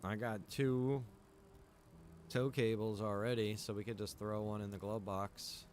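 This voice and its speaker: A man streams a video game and talks through it casually. His voice sits a little low, and he rambles as he thinks out loud. There is some steady noise behind him. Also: a little slow. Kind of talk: casual livestream gameplay commentary.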